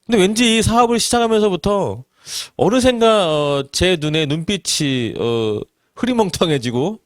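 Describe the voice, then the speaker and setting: A man in his forties giving an earnest seminar talk, asking the audience rhetorical questions and filling pauses with hesitations. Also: high voice, expressive, no echo, studio quality. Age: 40s. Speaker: network marketing business presenter.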